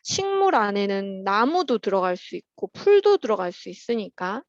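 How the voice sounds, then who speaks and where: A woman teaching at a private academy, patiently walking children through workbook answers in a chatty way, with frequent soft "um" pauses. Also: mid-range voice, sing-song, dry recording, highs cut off. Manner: patient and chatty, opens steps with "자" and fills pauses with "어".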